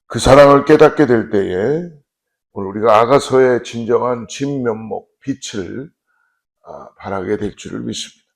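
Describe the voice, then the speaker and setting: A male pastor giving an early morning sermon, speaking slowly and measured with frequent pauses and fillers. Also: mid-range voice, gravelly. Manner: slow measured preaching with fillers.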